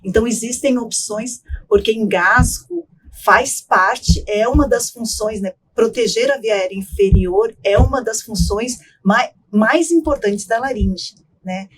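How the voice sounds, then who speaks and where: Woman doctor explaining calmly. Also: on the high side, unhurried, hardly any pauses, husky, low-quality recording. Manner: calm explanatory, many tag questions. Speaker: doctor, voice specialist guest. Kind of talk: explanatory podcast interview.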